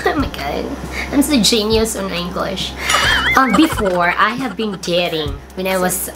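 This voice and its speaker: A young Filipino woman with a deep, husky voice and a Filipino accent, chatting playfully through a comedic makeup tutorial in her bedroom, talking to a camera at desk distance. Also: animated, unhurried, loud music behind the voice. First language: Tagalog. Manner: playful, bursts into song and laughter. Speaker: makeup vlogger. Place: bedroom, indoors.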